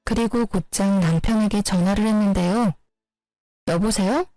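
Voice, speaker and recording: A woman's voice: mid-range voice, animated, moderate pace, a little mellow, no echo, soft background music, rough recording. Woman narrating a first-person story.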